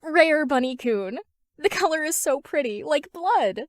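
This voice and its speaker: A woman voicing an excitable, bloodthirsty teenage girl villain in a fan fiction reading, bubbly and gushing. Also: high-pitched, measured pace, dry recording, studio quality, pitched above the performer's own voice. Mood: excited.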